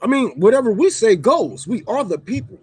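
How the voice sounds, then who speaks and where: A man's voice: very high voice, big pitch swings, fairly quick, husky, dry recording. A man on a livestream, ranting heatedly and with profanity, repeating lines for emphasis. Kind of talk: livestream rant. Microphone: microphone.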